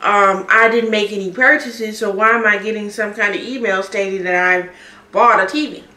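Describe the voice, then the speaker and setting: A woman's voice: medium pitch, steady tone, normal speed, sharp tone, echoey room. A woman, chatting casually on her eating vlog and telling a story with frequent laughs. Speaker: mukbang vlogger. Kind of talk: casual chat while eating.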